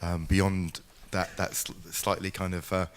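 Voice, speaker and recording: A man's voice: low voice, level tone, measured pace, slight background noise. A man in a conference audience asking a thoughtful question with many fillers.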